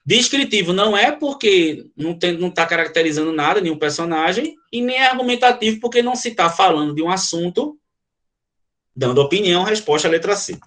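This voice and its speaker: A male teacher lecturing to students, often pausing to ask if they follow and explaining with quick examples. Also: high voice, animated, a bit bright. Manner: frequent checking questions to students. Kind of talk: classroom lecture.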